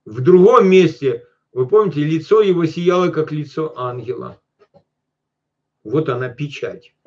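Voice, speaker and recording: A male preacher with a fairly high, animated, slightly mellow voice delivers a sermon on a dull, lo-fi recording. He reads scripture slowly, pauses to address listeners directly, then hurries through quick, everyday asides.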